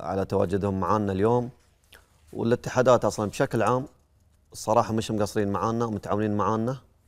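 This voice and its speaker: A man talks at a fairly quick pace in a fairly low pitch with fairly even intonation. It is a plain, everyday voice against a quiet background. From Qatar. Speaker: police sports official; guest. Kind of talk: TV interview. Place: studio. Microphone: lapel.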